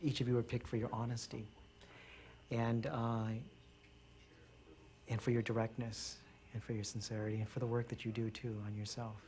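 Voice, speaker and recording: Man facilitating a group, earnest, measured, mid-pitched voice, faint room noise. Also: flat delivery, a little mellow. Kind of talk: group discussion in a documentary.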